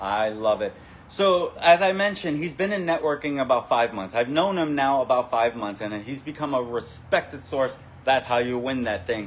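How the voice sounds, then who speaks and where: The delivery is enthusiastic, with lively intonation. It moves at a moderate pace. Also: man, medium pitch for a man. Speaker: networking event host and interviewer. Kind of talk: interview. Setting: networking event venue. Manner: loud.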